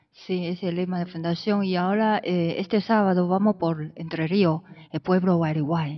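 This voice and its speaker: Her intonation fairly even and her pitch fairly low, a woman talks in an ordinary speaking voice. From Taiwan. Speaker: charity foundation representative. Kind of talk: radio interview.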